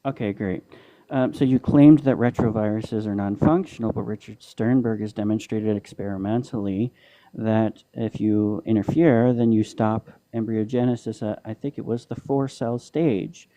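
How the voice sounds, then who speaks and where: A man with a fairly low, dark voice and a steady tone argues at a moderate pace in a live online debate. Over his muffled, underwater-sounding phone or headset audio, he pushes his case with frequent ums and restarts.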